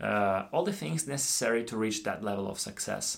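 A man talks at a fairly quick pace. His voice is fairly low and carries an Italian accent. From Italy. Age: 20s. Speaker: YouTuber. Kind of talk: casual vlog monologue. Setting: home studio. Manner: hesitant.

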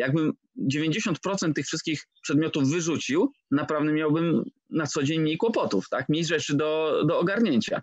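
With a normal speaking voice, a man talks at a fairly slow pace in a fairly high pitch, with ordinary pitch variation, very even loudness, and a dry, close sound with no echo. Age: 40s. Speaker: traveller. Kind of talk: interview.

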